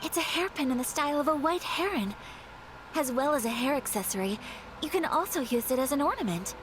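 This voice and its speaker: A woman voicing a graceful, polite young noblewoman in a video game, soft and courteous. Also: sits high, animated, a little fast, background noise. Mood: gracious. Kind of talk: game voice acting.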